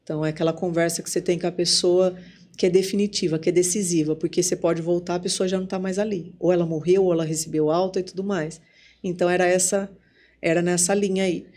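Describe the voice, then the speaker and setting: A woman's voice: lowish voice, quick pace. Brazilian woman telling her story. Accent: Brazilian Portuguese. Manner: lively storyteller who acts out remembered dialogue. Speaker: podcast guest, psychologist. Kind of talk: casual spoken testimony.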